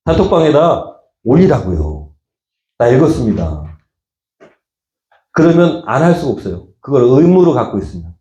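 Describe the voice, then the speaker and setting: Lively, mellow-voiced man preaching. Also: fairly quick. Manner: conversational preaching, acting out quoted voices with rising pitch. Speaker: pastor. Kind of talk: sermon. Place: church sanctuary. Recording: echoey church room.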